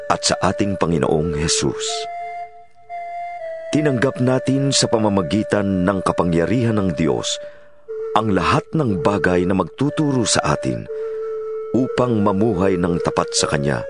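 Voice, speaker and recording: A man with a Filipino accent giving a solemn, deliberate dramatized reading of scripture as an audiobook narrator. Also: fairly low pitch. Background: music.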